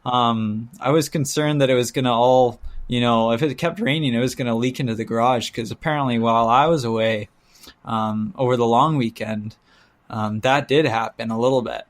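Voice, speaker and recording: A man talks as a podcast co-host in a casual, conversational style. His voice sits in a middle pitch. He tells his stories haltingly, feeling his way through them. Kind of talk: casual banter and anecdotes.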